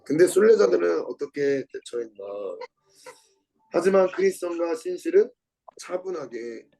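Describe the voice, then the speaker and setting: Man giving a bible lesson, kinda high but gravelly, husky and mellow, repeats words and asks the class stuff. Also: animated, normal speed, poor audio. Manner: dramatizes quotes with sudden shifts in pitch and loudness; repeats key words from the passage, asks the audience questions. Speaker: Bible study lecturer. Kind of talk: teaching lecture, reading a book aloud with commentary.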